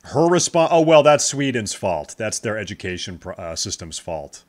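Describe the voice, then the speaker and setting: A man's voice: fairly low pitch, very animated, moderate pace, slight background noise. A man giving sarcastic, mocking commentary while reacting to a video on a stream.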